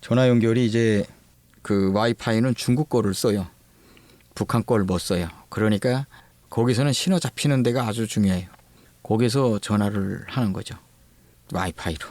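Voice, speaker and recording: Speaking at a moderate pace with long, frequent pauses, a man with a North Korean accent uses a medium pitch and ordinary pitch variation, the sound dry and close with no echo. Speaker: North Korean defector, animation artist. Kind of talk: podcast interview.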